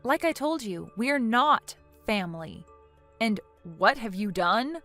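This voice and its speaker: A woman plays a composed young woman who was wronged, in an animated story. She speaks in a low, cold, measured tone and stays firm. Her voice is bright and clear, with faint music behind it. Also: exaggerated voice. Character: calm, resolute young woman injured in an accident.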